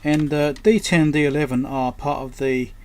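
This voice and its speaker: A slightly high male voice with a darkish tone speaks at a moderate pace and fairly even intonation. He's an electronics repairer giving casual, muttered, think-aloud commentary at a workbench while presenting his repair, with clear background noise.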